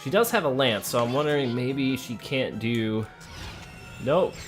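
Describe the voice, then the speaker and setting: A man's voice: medium pitch, lively intonation, unhurried, faint music behind. A man giving casual let's play commentary on a video game, thinking aloud and talking to the characters as he plays. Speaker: gamer playing a video game.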